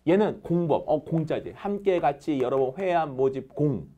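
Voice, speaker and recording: A man teaching English vocabulary in a lively lecture, drilling students with call-and-response and counting off answers. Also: a little high, normal speed.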